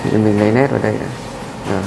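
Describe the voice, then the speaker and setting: A young man, a barber calmly explaining each step of a haircut and repeating himself, recorded on a lapel mic in a busy barbershop. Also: lowish voice, racing, creaky, very noisy. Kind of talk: casual step-by-step demonstration. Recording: clippers buzzing behind. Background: electric clippers and shop chatter.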